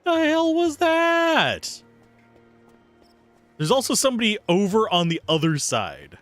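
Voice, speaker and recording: A young man commenting casually on a game he is streaming, chatty and jokey, with a slightly raspy voice. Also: sits high, wildly swooping pitch, slow, fairly bright tone, faint music behind. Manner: chatty, jokey, reacts aloud.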